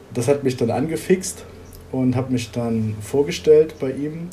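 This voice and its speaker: A man talks with ordinary pitch variation in a room with audible echo. Noticeable noise runs in the background. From Mittelsachsen, Saxony. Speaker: student. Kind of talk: casual chat.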